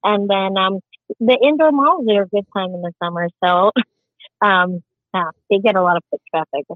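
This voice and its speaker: A woman's voice: mid-range voice, normal speed, dry recording. A woman in her thirties, a shop owner whose first language is Tagalog, chatting as an interview guest with many "um"s. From Arizona, USA. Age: 30s. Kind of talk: casual interview chat. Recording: tinny phone-line audio.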